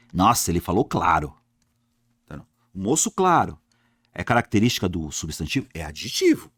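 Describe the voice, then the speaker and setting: A man with a low, breathy voice teaches an exam-prep grammar lesson, addressing his students directly in a lively way and asking and answering his own questions. The sound is clean studio audio with no echo.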